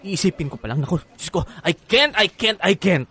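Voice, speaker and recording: A man's voice: high-pitched, animated, normal speed, bright, forceful tone, breathy edge, full character voice. An actor with a Filipino accent playing a haughty, exasperated gay man in a radio comedy drama, with campy, dismissive exclamations. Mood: disgusted.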